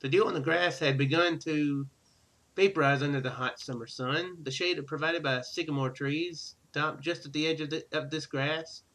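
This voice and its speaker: A man's voice: fairly high pitch, fairly even intonation, normal speed, fairly bright tone. A man hosting a gaming series in a casual style, hesitant and rambling, talking and reading story text aloud. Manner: hesitant, rambling, self-correcting. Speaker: host of a Let's Play gaming series.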